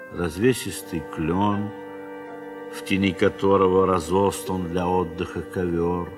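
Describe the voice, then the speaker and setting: A man narrates a classic tale in a deliberate, very slow and expressive reading, his voice sitting a little low. Instrumental music plays clearly behind him throughout. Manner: measured, expressive reading with wide swells in pitch and volume. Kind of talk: 1970s audio drama literary narration.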